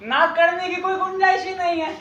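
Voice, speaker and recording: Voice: very high voice, steady tone, brisk, pushed and bright, dull audio, slight background noise. An actor playing a fond, teasing father who laughs as he talks in flowery words, acted on a theatre stage. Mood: teasing, jolly. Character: fond chatty older male father, teasing. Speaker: father of the bride. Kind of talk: stage comedy acting. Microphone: distant stage mic. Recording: echoey theatre from far off, music.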